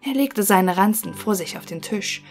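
Calm woman reading a fairy tale. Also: mid-range voice, soft background music. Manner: calm, measured storytelling. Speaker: narrator.

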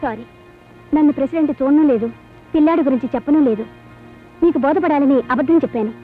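A woman's voice: high voice, quick pace, close to an everyday voice. A woman playing an outspoken young teacher in dubbed film dialogue, blunt and lecturing with adults and coaxing with a crying baby. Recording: dull lo-fi film soundtrack with music.

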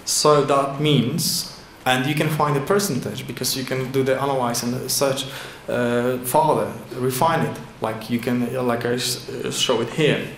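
Brief: male conference presenter, mid-pitched, halting English with lots of fillers, lectern mic in an echoey hall with faint room noise. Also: steady tone. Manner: halting non-native English with many fillers and restarts. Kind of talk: conference talk with slides. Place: large indoor conference hall. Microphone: lectern microphone at a podium.

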